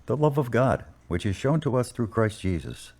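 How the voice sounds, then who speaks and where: A man playing a patient, probing Catholic priest in an amateur audio drama, speaking in a measured, counselling way. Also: mid-range voice, very animated, darkish tone. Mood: earnest, encouraging. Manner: measured, counselling, formally worded.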